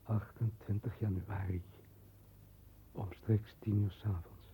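Doomed confessor for vintage radio drama: low, very slow, resigned, halting, on a dull noisy old recording. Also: male voice, fairly even intonation, mellow. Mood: solemn, resigned. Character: doomed, down-and-out brother solemnly confessing in suicide letter. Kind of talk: 1960s radio drama, letter read as voice-over.

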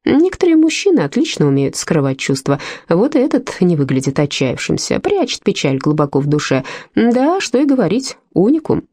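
A woman reading a literary novel aloud as an audiobook narrator, measured and expressive. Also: fairly low pitch, dry recording, studio quality. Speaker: audiobook reader.

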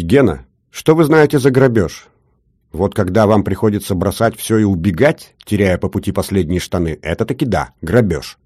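A man's voice: on the low side, dark tone, dry recording, studio quality, natural voice. A man voicing a shrewd older jeweler with an Odessa accent, talking in a wheedling, sing-song bargaining patter. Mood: indignant. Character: shrewd older male jeweler, haggling, fussy.

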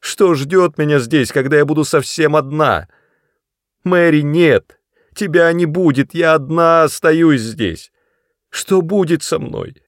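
A man's voice: normal speed, a little mellow, dry recording, clean studio sound, natural voice. A man reading a storybook voicing a lonely, tearful young girl who pleads and sobs. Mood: desperate. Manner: pleading, high and shrill when upset. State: sobbing. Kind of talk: audiobook character voice.

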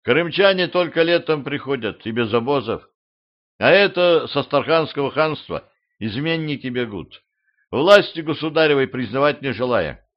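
A man voicing a gruff, commanding middle-aged boyar warrior in an audiobook, mocking and bold in manner. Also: medium pitch, expressive, moderate pace, voice pushed up, natural voice. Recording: slightly dull lo-fi audio.

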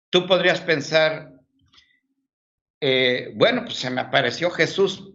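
Bright-voiced earnest Mexican man storyteller. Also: a little high, lo-fi sound. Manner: earnest, anecdotal, repeats himself. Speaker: guest. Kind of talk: spiritual storytelling in a conversation.

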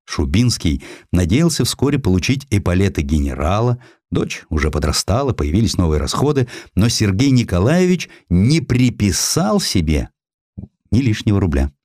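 A man with a low-pitched voice reads scripted historical narration. His storytelling is theatrical and richly varied in intonation. The studio sound is close and very dry. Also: sing-song, normal speed, darkish tone, no echo. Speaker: audiobook narrator. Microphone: close studio microphone.

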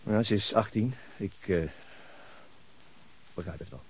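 A meek middle-aged Dutch husband and father in a radio play. His voice is low and extremely breathy-rough. He mumbles haltingly and avoids committing himself. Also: full character voice. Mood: resigned, terse. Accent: Netherlands Dutch. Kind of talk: radio drama acting.

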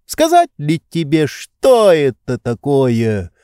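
Indignant lazy nobleman, voiced by a man, reproachful questions, raised lively pitch, slow delivery. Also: clean tone, no room sound, studio quality, exaggerated voice. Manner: exclaiming, reproachful, rhetorical questions. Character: indolent pampered male nobleman, indignant and wounded. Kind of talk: audiobook character reading.

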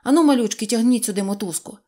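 A woman voicing a boastful, bossy little boy who shouts orders and brags. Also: on the high side, fast talker, natural voice. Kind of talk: audiobook character voice.

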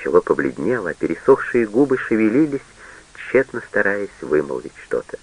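A man reading a literary novel aloud in a measured, solemn way. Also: fairly low pitch, very animated, husky, low-quality recording. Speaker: audiobook reader. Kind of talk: literary audiobook narration.

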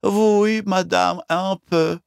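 A man's voice: sits high, fairly even intonation, very slow, vocal fry, darkish tone, clear, resonant tone, no room sound, clean studio sound, pitched above the performer's own voice, exaggerated voice. A man voicing a fussy, squeamish Russian merchant's wife with a disdainful manner. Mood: reluctant.

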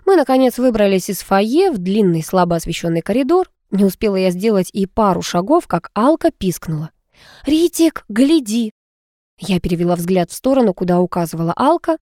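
A woman reading a first-person audiobook in a lively, expressive way. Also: medium pitch, fairly quick, hardly any pauses, dry recording, studio quality. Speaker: audiobook narrator.

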